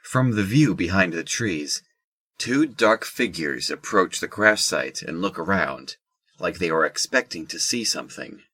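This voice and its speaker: A man's voice: low-pitched, expressive, a little slow, pushed and bright, no echo. A man narrating a scripted audio drama.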